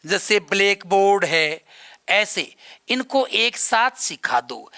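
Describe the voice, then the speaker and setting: Bright-voiced man teaching an exam class. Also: sits high, clear, resonant tone. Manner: repeats key terms, mixes English words into Hindi explanation; gives examples and writes on a board while talking. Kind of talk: exam-prep classroom lecture.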